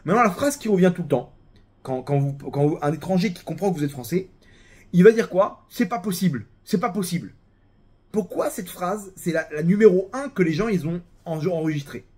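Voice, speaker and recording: A man with a French accent giving a casual religious talk, animated and full of restarts and repeated words. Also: sits high, a little fast, husky.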